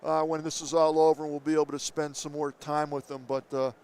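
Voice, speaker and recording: High-voiced chatty older man. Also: level tone, fairly quick, darkish tone, smooth. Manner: chatty and enthusiastic. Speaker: podcast host. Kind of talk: casual trade show interview. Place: busy trade show floor.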